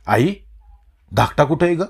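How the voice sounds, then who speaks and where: A restless grown son home from the city, answering his mother bluntly and defiantly, as a male storyteller voices him. The voice sits a little raised and stays husky, with a lively up-and-down line. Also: fairly high pitch, measured pace, pitched above the performer's own voice, exaggerated voice. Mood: reassuring.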